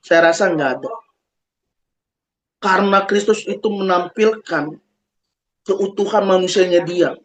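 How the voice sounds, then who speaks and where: A man giving a testimony-style talk over a video call, animated and speaking straight to his listeners. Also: sits high, unhurried, long pauses. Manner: animated, acts out quoted voices, addresses listeners directly. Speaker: speaker at a fellowship meeting.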